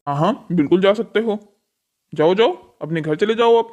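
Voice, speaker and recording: A stern hotel boss from a cartoon moral story acted by a man. His male voice sits a little high, and he gives orders in a bossy, commanding way. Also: moderate pace, a little mellow, muffled recording, close to an everyday voice. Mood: dismissive. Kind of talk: scripted cartoon story dialogue.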